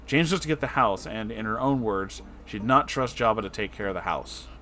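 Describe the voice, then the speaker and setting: A man reading a story aloud as an online narrator, expressive and casual, with dramatic delivery. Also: on the low side, a little fast. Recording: music behind the voice. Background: background music.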